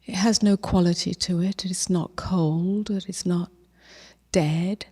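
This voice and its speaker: A woman leading a guided meditation as a teacher, gentle and unhurried, with long pauses and soft, breathy phrase endings. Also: on the low side, steady tone.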